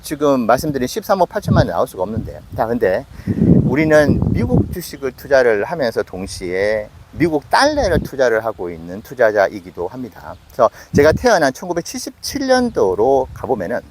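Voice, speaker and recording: Casual investing host, man in his late forties, lively delivery. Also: mid-range voice, brisk, a little hiss or hum. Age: 40s. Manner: conversational, self-questioning with acted asides. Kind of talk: casual investing talk to camera.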